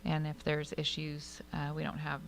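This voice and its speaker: A woman council member giving measured, appreciative remarks at a council meeting, speaking into a desk microphone in a council chamber. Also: low-pitched, monotone, gravelly, slight background noise.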